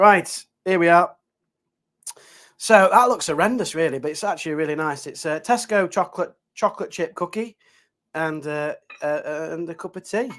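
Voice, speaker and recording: In a very clean recording with a silent background, a man with a Yorkshire accent and high pitch speaks at a moderate pace with ordinary pitch variation, big swings in loudness, and long, frequent pauses. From Yorkshire, northern England. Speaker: geography teacher. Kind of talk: live stream revision session. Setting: live stream. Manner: animated.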